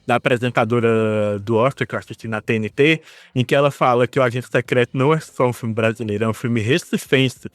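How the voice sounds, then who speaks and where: A man's voice: mid-range voice, brisk, dry recording. Dry, close Northeastern Brazilian man. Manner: relaxed, chatty, swears casually. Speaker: podcast co-host. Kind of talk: casual podcast chat.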